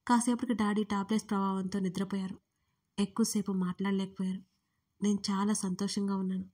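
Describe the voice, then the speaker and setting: A woman's voice: mid-range voice, level tone, brisk, a little mellow, breathy edge. A woman narrating a first-person audio story in an intimate, emotional way.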